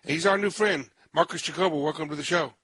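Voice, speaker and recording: A man's voice: a little high, fast, a bit bright, slight background noise. A male radio show host interviewing a guest in a chatty, friendly way, now and then tripping over names.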